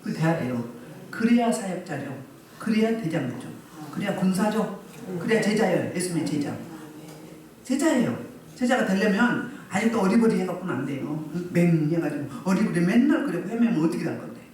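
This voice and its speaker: A woman's voice: lowish voice, sing-song, brisk, a little mellow. Emphatic woman pastor preaching in an echoey hall. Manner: emphatic, repeats phrases, asks the congregation questions. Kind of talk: sermon. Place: church hall. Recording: echoey hall, mic at a distance.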